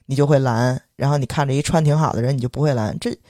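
A man's voice: mid-range voice, no room sound, studio quality. A young man, heavy erhua, telling a story in casual podcast chat. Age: young adult. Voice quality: heavy erhua, quick lively delivery. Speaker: podcast co-host.

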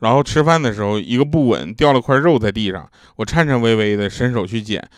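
Male comic storyteller, mid-pitched, chatty, asides to the listener, dry mic. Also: expressive, brisk, dry recording. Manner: chatty storyteller, laughs at his own punchlines; casual slangy asides to the listener. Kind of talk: telling jokes and funny anecdotes.

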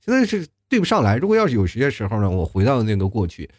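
Here a male host of a talk show goes through listener messages and jokes around with them, his pitch swooping wildly up and down. His delivery is rapid and chatty, full of tag questions and quick chuckles, captured in clean studio sound without echo.

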